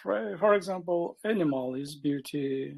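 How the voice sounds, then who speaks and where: Slow, gravelly, hesitant man learning English. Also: a little high, darkish tone. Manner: hesitant, with many pauses and fillers. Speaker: class participant.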